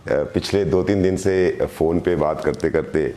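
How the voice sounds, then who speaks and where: A middle-aged man with a sore, hoarse throat giving an earnest motivational live video address as a direct selling team leader, repeating phrases for emphasis. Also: deep voice, steady tone, measured pace, mellow.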